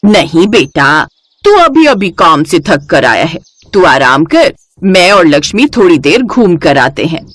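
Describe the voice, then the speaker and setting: A woman's voice: lowish voice, big pitch swings, measured pace, fairly bright tone, no room sound, exaggerated voice. A woman voicing a greedy, scheming older mother-in-law in a cartoon story, talking in a sly, coaxing way.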